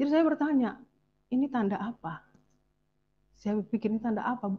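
At a fairly quick pace, a woman speaks with a high pitch and a dark, mellow tone. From Indonesia, ethnic Malay. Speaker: religious convert giving testimony. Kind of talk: testimony. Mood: emotional, earnest. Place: home room. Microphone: earbuds.

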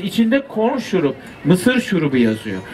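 Here a man speaks with a high pitch. His pace is fairly slow over light background noise. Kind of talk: public lecture. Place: stage. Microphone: headset.

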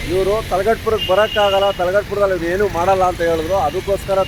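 A man's high voice stays monotone and flat against noticeable background noise. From Karnataka, village near Bangalore. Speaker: vlogger, environmental activist. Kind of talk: vlog monologue, personal grievance. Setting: outdoors in front of family house. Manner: agitated.

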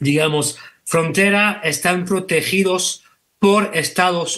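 A man with a non-native accent at a high pitch and very slow pace, bright, sharp tone, ordinary pitch variation, quiet background. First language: not Spanish (speaking Spanish). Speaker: academic speaker; speaker. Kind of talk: lecture. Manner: halting, many fillers. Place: office. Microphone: video call.

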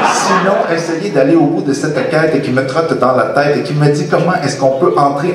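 A man talks with a Quebec accent and ordinary pitch variation. Audible room echo and light background noise are present. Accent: Québécois French. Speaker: slam poet. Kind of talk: improvised slam poetry performance. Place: stage.

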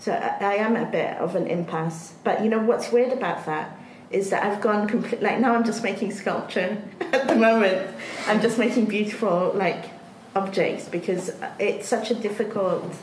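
Noticeable background noise beneath a woman's voice with ordinary pitch variation. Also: medium pitch for a woman, moderate pace. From Goa, India (commune), later London. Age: 40s. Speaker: artist. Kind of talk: public conversation. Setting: stage with audience.

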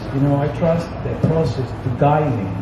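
Moderate-paced speech amid audible room echo and noticeable background noise. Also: man. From Cuba. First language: Spanish. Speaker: abstract painter. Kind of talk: panel discussion. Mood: reflective, candid. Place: hall.

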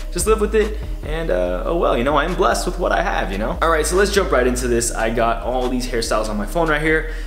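A man talks at a very fast pace with audible room echo and faint music in the background. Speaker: hair style vlogger. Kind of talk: casual vlog chat. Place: studio.

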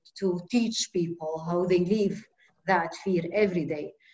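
A woman with an Arabic accent, fairly slow pace and ordinary pitch variation against a quiet background. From Syria. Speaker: Syrian activist and humanitarian worker. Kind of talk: panel discussion. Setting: video call. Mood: earnest, reflective. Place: home room. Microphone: video call.

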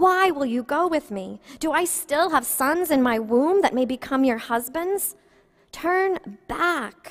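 Against a quiet background, a woman talks at a very slow pace. Her voice is high-pitched. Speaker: pastor. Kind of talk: scripture reading in sermon. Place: church.

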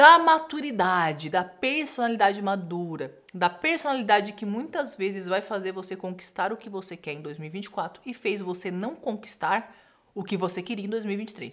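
A woman at a medium pitch and moderate pace with very wide pitch swings, big swings in loudness and hardly any pauses, against a quiet background. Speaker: women's mentor and podcast host; podcast host. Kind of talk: motivational monologue. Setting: studio recording on camera. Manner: direct. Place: studio. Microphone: studio mic.

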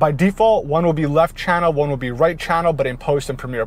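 With music playing behind him, a man speaks in a dry sound with no echo. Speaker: car vlogger testing mics. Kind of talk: casual vlog chat. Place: car. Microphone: lapel.

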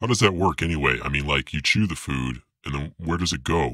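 A man puts on a cartoonish character voice pitched very deep and low. He moves at a fairly quick pace.

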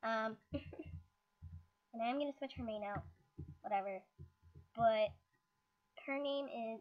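With a quiet background, a woman talks at a very slow pace, leaving long, frequent pauses. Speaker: gamer narrating gameplay. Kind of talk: casual game tour voice-over. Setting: low-quality computer mic. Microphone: webcam.

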